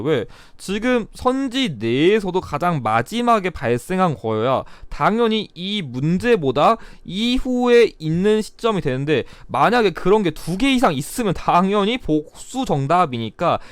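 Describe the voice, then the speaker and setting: Young guy tutor going over a test, blunt and chatty, bit of a cold, lively pitch, dry close mic. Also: clear, resonant tone, no room sound. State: recovering from a cold. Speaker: history exam tutor. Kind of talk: casual exam review lecture.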